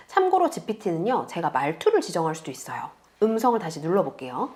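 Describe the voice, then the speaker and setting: A woman teaching beginners step by step in a calm, patient screen tutorial, speaking close to the mic. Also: on the low side. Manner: patient, explains slowly to beginners. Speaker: online tutor.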